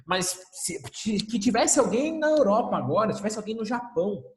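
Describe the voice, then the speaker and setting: A man's voice: sits high, big pitch swings, fairly quick. A man teaching a recorded history lesson, emphatic, asking rhetorical questions and repeating key points. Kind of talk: recorded class lecture. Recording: echoey room with long reverb.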